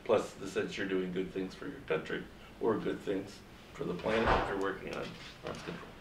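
An older man gives measured career advice on a panel. His voice is very low and gravelly. The sound is distant and echoey, as if taken from across a seminar room. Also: steady tone, very noisy. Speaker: former Foreign Service officer, panelist. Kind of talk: panel talk. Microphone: far camera.

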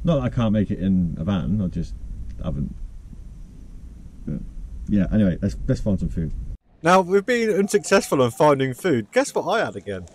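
A man in his thirties talks in a loose, rambling way and pokes fun at himself. His voice sits slightly low and sounds mellow and warm. He is recorded close on a camera inside his parked van. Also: very animated, moderate pace, long pauses, a little hiss or hum. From United Kingdom. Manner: chatty, rambling, self-mocking. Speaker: van life vlogger. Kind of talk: casual vlog chat.

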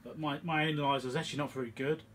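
This electronics repair video host races through a relaxed, halting demo at the workbench of his indoor home workshop, rambling in a low-key manner. His voice is a little high and fairly bright, with fairly even intonation, and there's slight hiss or hum.

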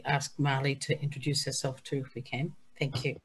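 An older woman hosting an online webinar, introducing the speakers in a brisk, friendly way with jokey asides. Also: extremely low pitch, level tone, breathy edge. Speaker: host and moderator. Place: home room on a video call. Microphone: video call.

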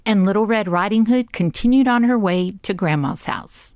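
A woman's voice: medium pitch, animated, moderate pace, darkish tone, no echo, clean studio sound. A woman narrating a scripted children's story as the storyteller.

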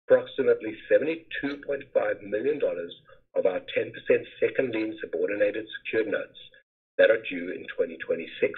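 A man's voice: on the low side, slightly rough. Man on a muffled, phone-like earnings call. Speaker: company finance executive. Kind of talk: scripted earnings call presentation. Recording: muffled phone-like conference call webcast audio.

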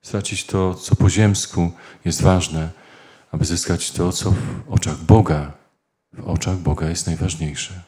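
A man preaching a sermon as a priest, earnest and speaking in short phrases with pauses. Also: sits low, steady tone, mellow.

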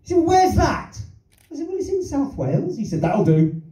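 Filmed from the audience at a small theatre, this older stand-up comedian from London works a handheld mic in a very high-pitched, sing-song, dark-toned voice, speaking fairly quickly. He rambles through anecdotes, chuckling and tossing in self-deprecating asides, and the recording is roomy, distant and dull.

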